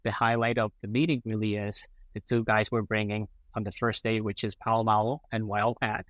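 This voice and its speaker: A man's voice: on the low side, little pitch movement, a little fast, no room sound. A middle-aged man from Colombia, a prosthodontist guest on a podcast, talking casually with many fillers and restarts. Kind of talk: casual interview talk.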